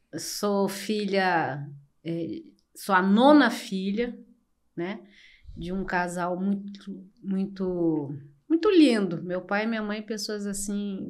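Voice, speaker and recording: An older woman from Brazil, a podcast guest telling her life story slowly and reflectively, with many pauses. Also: medium pitch. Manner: slow, reflective, with frequent pauses and fillers. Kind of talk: personal storytelling in an interview.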